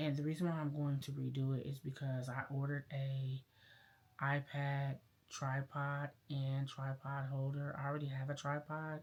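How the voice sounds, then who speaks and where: In a very clean recording with a silent background, a soft-spoken woman with a very deep, low pitch speaks at a moderate pace in a monotone, flat delivery. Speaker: vlogger. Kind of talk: casual vlog.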